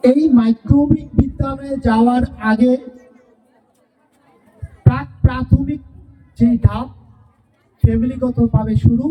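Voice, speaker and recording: A high-pitched woman with a dark, steady tone speaks unhurriedly and pauses often, with some chatter in the background. She is a school teacher giving a farewell speech to parents at a school event, posing rhetorical questions and repeating phrases. Her voice sounds distant, as if recorded from far off.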